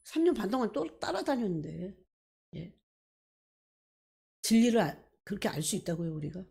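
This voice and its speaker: A woman pastor preaches with a mellow, husky voice. She talks animatedly and keeps turning to the congregation with quick questions. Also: mid-range voice, big pitch swings. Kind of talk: sermon.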